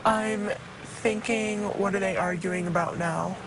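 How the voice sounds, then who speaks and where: A twelve-year-old girl speaks through a voice disguise that lowers and alters her voice so her identity stays hidden. She gives short, hesitant answers. The studio recording carries clear background noise. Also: fairly even intonation, measured pace. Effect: voice altered and lowered to hide identity. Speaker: talk show guest. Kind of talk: studio interview.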